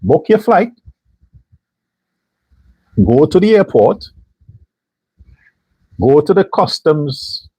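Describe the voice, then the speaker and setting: A man's voice: fairly high pitch, very animated, extremely slow, long pauses, warm tone, slightly rough, no room sound. A man hosting a political commentary show, delivering an emphatic monologue straight to his viewers. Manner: emphatic, talks straight to viewers, mock voices for others.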